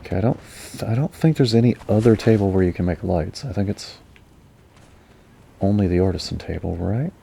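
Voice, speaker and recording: Deep gravelly-voiced man, calm and mellow. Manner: slow, mellow, musing. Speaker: gamer. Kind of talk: calm gaming commentary.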